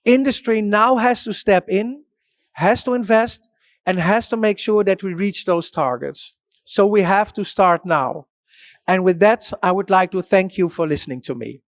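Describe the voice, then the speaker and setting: A man with a notably high voice gives an ordered conference presentation, laying out his points one by one. The recording is dry and close. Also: moderate pace, dry recording. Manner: structured, policy-focused delivery. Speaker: conference speaker.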